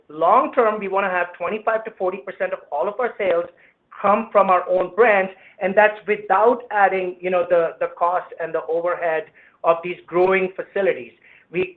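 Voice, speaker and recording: A man speaking as a company executive, giving confident, salesy answers to analysts on an earnings call. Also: sits high. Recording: narrow, tinny conference phone line.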